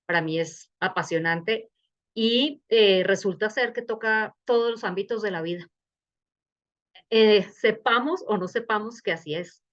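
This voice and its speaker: A woman's voice: medium pitch, a little slow, highs cut off. A middle-aged woman with a Colombian accent, giving a bioethics lecture in a webinar in a conversational, engaged way that poses questions to the audience. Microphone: video call.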